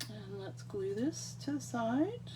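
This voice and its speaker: Her voice sits on the high side and is a little mellow, with a faint hiss or hum in the audio. She's a congested woman from Canada getting a cold, chatting with viewers as she makes cards at a craft desk in a casual live tutorial filmed overhead, hands only.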